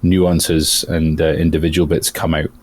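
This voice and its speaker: Voice actor from europe, very deep, husky, talks slowly and thoughtfully, guest on a podcast. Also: male voice, little pitch movement, darkish tone. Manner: thoughtful, hesitant with many restarts. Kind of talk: casual interview talk.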